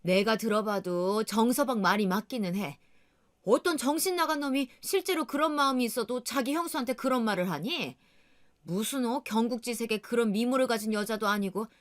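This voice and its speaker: A woman's voice: a little high, brisk, natural voice. A woman voicing an older mother in a radio drama, blunt and scornful as she complains. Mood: indignant.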